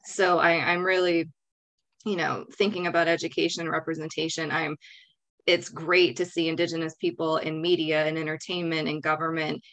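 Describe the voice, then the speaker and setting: A woman in her thirties with a lowish voice talks as a panelist on a video call. She is earnest and reflective and often restarts her phrases. She sounds a little distant from the mic. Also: flat delivery, normal speed, a bit bright. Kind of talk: panel discussion remarks.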